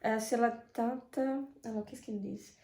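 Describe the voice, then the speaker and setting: Hoarse lady doing a makeup review, highish mellow voice, lots of pauses, echoey room. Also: fairly even intonation. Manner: halting, full of hesitations. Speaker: beauty vlogger. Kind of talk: casual product review.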